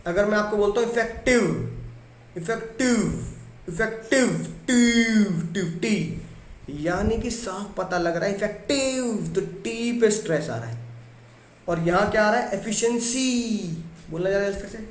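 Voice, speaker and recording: An energetic male teacher runs an exam-prep lesson, repeating key words and playing his students' replies himself. His voice sits high for a man. The recording is roomy and echoey, with a faint hum behind it. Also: normal speed.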